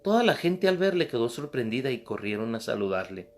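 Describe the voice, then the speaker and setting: A man's voice: mid-range voice, sing-song, fairly quick. A man teaching a Bible class as a Catholic preacher, emphatic and repeating phrases for stress.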